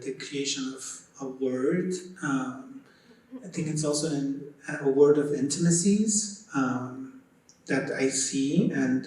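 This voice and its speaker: A man whose native language is Dari Persian speaks reflectively on a panel, halting often mid-thought. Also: mid-range voice, darkish tone. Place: large echoey indoor room. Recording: very echoey room, distant microphone.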